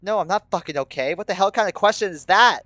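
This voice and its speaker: A man's voice: a little high, lively intonation, rapid-fire, sharp tone, no room sound, voice pushed up. A man voicing hot-tempered, bickering teenagers in a combative, sweary dramatic reading. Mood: angry. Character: hot-tempered, bickering inner voices of troubled teens.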